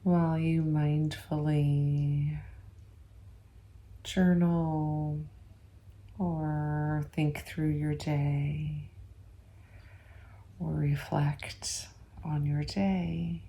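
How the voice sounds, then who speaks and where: A woman leading an ASMR guided meditation in a soft, gentle, unhurried voice that slips toward a whisper, with long pauses. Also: sits low, level tone.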